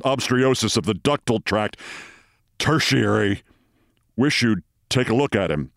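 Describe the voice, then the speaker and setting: A man's voice: lowish voice, lively intonation, a little slow, creaky, fairly bright tone, no echo, studio quality, exaggerated voice. Distraught physician, male reader acting, anxious and weary, storybook. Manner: nervous, deferential. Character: haggard, distraught male doctor, anxious colleague.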